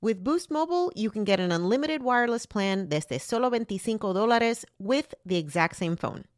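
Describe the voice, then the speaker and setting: A woman's voice: medium pitch, lively intonation, normal speed, dry recording. Dry-sounding bilingual woman reading an ad. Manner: switches between English and Spanish. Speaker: podcast host reading an ad. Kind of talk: scripted bilingual ad read.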